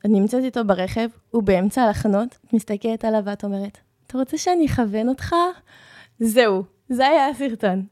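A young Frenchwoman with a slightly high voice and a dark tone tells stories casually while chatting as a guest in an interview. She is a content creator, and the talk has an easy conversational flow.

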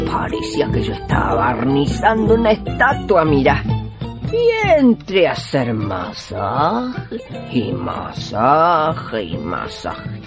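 An actress playing a boastful older Argentine village healer in radio theatre, telling tall tales in colloquial, theatrical, drawn-out phrases. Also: female voice, low voice, full character voice.

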